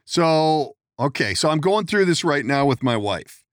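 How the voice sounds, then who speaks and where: A man's voice: fairly high pitch, big pitch swings, measured pace, no echo. A man hosting a casual podcast interview from his studio, chatty and joking, rambling a bit as he talks. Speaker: podcast host. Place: studio in Minneapolis.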